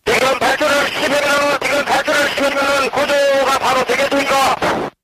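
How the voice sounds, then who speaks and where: This is a man's voice reaching us through a two-way marine radio, thin and strained high in pitch. Loud static hisses all around his words. He sounds hesitant, repeating his questions as he reports to a control center. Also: flat delivery, moderate pace. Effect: heard over a two-way marine radio. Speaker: ship crew member radioing a control center. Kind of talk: urgent radio exchange. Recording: very noisy radio transmission.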